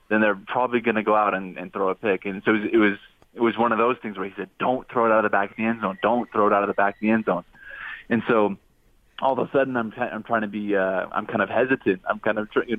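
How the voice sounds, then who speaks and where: A man in his twenties talks through a phone line, the sound thin and narrow. His voice sits low and dry. He stumbles and restarts often as he chats. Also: no room sound. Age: 20s. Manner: halting, many restarts and fillers. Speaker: former quarterback guest. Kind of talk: casual radio interview call-in.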